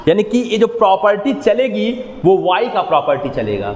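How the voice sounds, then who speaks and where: A man teaches maths to a class, walking through each step, constantly questioning the students and adding motivational asides. His fairly high, darkish voice is very animated at a moderate pace. The roomy classroom gives a long, echoing reverb, with slight background noise.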